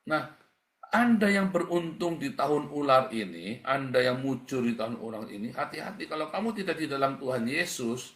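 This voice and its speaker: A man's voice: mid-range voice, lively intonation, normal speed, a bit bright. A man preaching a livestreamed sermon as a pastor, in a conversational, blunt and colloquial way, often calling his listeners brothers and sisters. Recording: echoey room.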